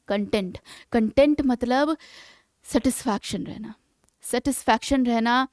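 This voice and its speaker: A woman teaching English vocabulary for exam preparation, explaining in Hindi and reading English example sentences slowly and deliberately, often checking in with her students. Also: high-pitched, clean tone, no room sound. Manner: keeps checking in with "है ना". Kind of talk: exam-prep vocabulary lesson.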